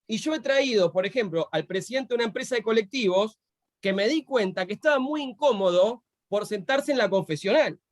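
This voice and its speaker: A man's voice: high-pitched, expressive, fairly quick, dry recording. A man hosting a live interview, courteous and chatty, listing guests and sharing his own view. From Argentina. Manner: courteous, chatty, reads off names. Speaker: interview host.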